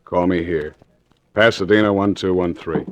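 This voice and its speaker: A man playing a brooding man in a vintage radio drama, speaking low and stammering as he recounts a fatal crash. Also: moderate pace, slight background noise, natural voice. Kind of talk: 1940s radio acting.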